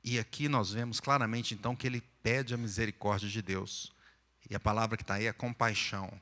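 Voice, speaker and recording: A man's voice: on the low side, fairly even intonation, fairly quick, pushed and bright. A man with a Brazilian Portuguese accent, a pastor preaching a sermon in a church, explaining scripture in a conversational way. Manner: sings and chants psalm verses, then explains them plainly. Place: church sanctuary. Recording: echoey church hall.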